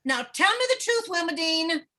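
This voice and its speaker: A woman playing an anxious, prudish small-town mother who chatters and nags excitably in a dramatic screenplay reading. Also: very high voice, normal speed, heavily acted. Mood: anxious warning. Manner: excitable, nagging, emphatic. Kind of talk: dramatic screenplay table read.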